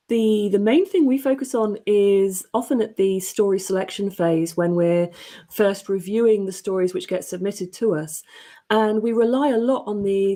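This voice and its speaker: Mellow-voiced woman on a panel. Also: mid-range voice. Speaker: story editor, panelist. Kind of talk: panel discussion, explaining.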